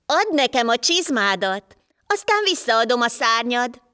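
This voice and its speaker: Woman doing a sneering storybook hunter-villain, voice pushed up high. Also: big pitch swings, pushed and bright, clean tone, no room sound, clean studio sound. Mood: scornful. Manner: scornful, mocking. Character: cruel mocking male hunter villain.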